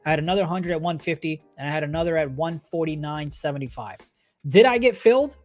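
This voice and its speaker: A stock trader with a fairly high, animated voice talks quickly while hosting a livestream. He offers casual, conversational commentary on charts and speaks straight to his viewers, with music playing in the background.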